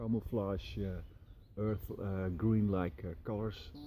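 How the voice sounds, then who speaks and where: A man's dark, mellow voice in a Dutch accent, fairly low and fairly slow, with fairly even intonation. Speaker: outdoor adventure vlogger. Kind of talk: casual vlog narration. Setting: outdoors. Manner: hesitant, many fillers; lowered voice.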